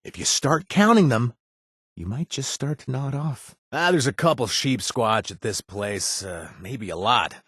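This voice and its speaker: An actor playing a wry, chatty wasteland informant in a video game, husky, with a hesitant, rambling delivery and joking asides. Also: male voice, medium pitch, expressive, a little slow, fairly bright tone, no echo, clean studio sound. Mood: dryly joking. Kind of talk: video game voice acting, casual spoken tips.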